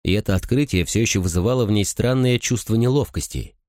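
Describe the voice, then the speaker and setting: A man narrating an audiobook in a steady, measured reading style. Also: on the low side, dry recording, studio quality. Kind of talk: scripted narration.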